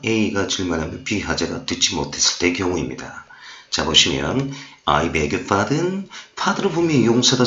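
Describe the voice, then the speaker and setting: A male English instructor giving a recorded online lecture, explaining words one by one and reading English examples slowly. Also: deep voice, pushed and bright. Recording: roomy, dull lo-fi recording.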